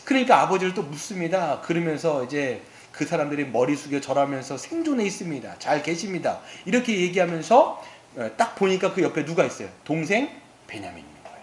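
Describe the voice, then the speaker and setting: A man preaches a sermon in a church sanctuary, retelling a story with lively swings in pitch and posing questions to his congregation. His voice sits a little high for a man. The sound comes back off the walls of a roomy hall, with a faint hiss underneath. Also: brisk. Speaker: pastor.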